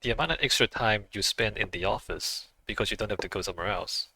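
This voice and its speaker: A man's voice: on the low side, fast, vocal fry, bright, forceful tone, a little hiss or hum, low-quality recording. A man who is not a native English speaker, chatting casually on a game livestream, thinking aloud and musing with small laughs.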